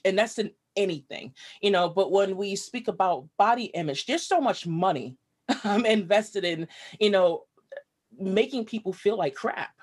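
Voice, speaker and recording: A woman guest in an interview, a writer and activist, speaking earnestly and reflectively with frequent fillers. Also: on the low side. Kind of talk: conversational interview storytelling.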